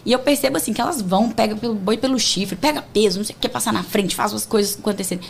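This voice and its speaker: Brief: a female business owner guest, quick and lively, slightly high voice, faint background hum. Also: creaky. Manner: animated storyteller, lively and emphatic. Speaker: entrepreneur guest. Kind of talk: casual chat.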